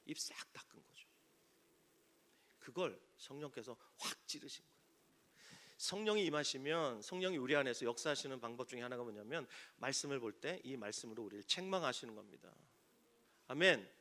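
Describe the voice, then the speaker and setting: A male pastor preaching a sermon to an audience, swinging from loud cries to near-whispers and acting out the voices in his stories. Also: mid-range voice, animated, fairly quick. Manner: acts out quoted voices in stories.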